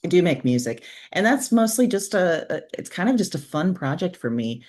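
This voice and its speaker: A woman's voice: fairly low pitch, big pitch swings, moderate pace, a little mellow. A woman speaking as an interview guest in a casual, earnest way, with plenty of informal filler words. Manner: earnest, informal, peppered with like and you know. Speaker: interview guest, author and podcaster.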